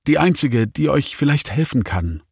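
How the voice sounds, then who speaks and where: A man's voice: mid-range voice, big pitch swings, normal speed, creaky, husky, dry recording, studio quality, pitched above the performer's own voice, exaggerated voice. A man voicing an insistent male white dragon lord in an audiobook, speaking emphatically and with urgency. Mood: earnest. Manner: emphatic, commanding.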